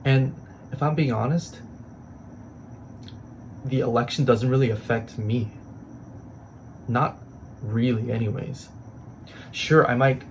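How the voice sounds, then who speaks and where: A young man giving a scripted confessional monologue in short, halting phrases. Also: medium pitch, a little mellow, a little hiss or hum.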